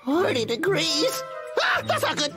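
Lady doing a loud hotheaded cartoon logger guy, super high and gravelly, voice swooping all over, music blasting behind. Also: wildly swooping pitch, a little slow, full character voice. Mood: worried. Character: hot-tempered grown man logger, loud and brash. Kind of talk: cartoon dub acting.

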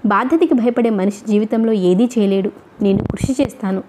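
A woman voicing a quiet, cautious young husband in a storybook reading, in a reserved, measured way. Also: medium pitch, lightly acted. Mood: calm.

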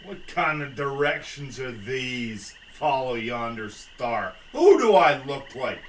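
An actor playing a wisecracking, gruff mobster in a comic radio drama. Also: male voice, mid-range voice, big pitch swings, takes it slowly. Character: wisecracking mobster wise guy. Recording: echoey, distant mic, faint noise.

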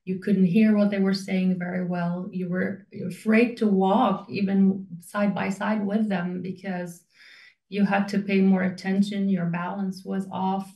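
A woman doctor on a video call, calmly summing up her patient's experience. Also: medium pitch. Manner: calm, measured, summarizing for the patient. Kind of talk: interviewing a patient. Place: room with a brick wall. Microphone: video call webcam. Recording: roomy sound, voice a bit far from the mic.

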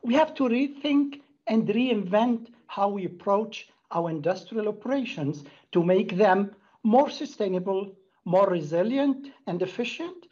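Middle-aged man, raspy voice, emphatic executive presenter, scripted corporate talk, muffled lo-fi audio. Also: high-pitched, a little mellow. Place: indoor room, plain wall.

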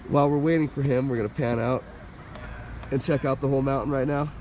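A man filming a casual vlog from a car and outdoors, talking excitedly with lots of "dude" and "like". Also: medium pitch, quick pace, a little hiss or hum. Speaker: vlogger. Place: in a car and outdoors at a ski resort.

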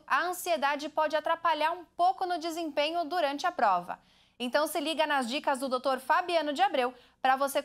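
A woman's voice: high-pitched, a bit bright. A young Brazilian woman in her twenties delivering a scripted TV news report. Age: 20s. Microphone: lapel.

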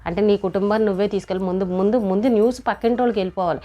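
A woman's voice: medium pitch, fairly even intonation, very fast, warm tone. A middle-aged woman giving advice in a motivational talk, scolding and acting out what relatives say. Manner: scolding, acts out quoted relatives. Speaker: motivational speaker.

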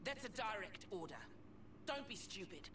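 Distant, noisy recording, authoritative female military leader acted by a woman, animated intonation, stern, game cutscene. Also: mid-range voice, normal speed, close to an everyday voice. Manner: firm, authoritative. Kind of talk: video game cutscene acting.

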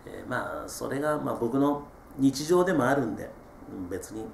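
A middle-aged man, hosting a casual solo radio-style chat. He reads out listener messages in a relaxed, chatty way, with many drawn-out filler sounds. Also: mid-range voice, creaky, a little hiss or hum. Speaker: host reading listener messages. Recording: roomy echo.

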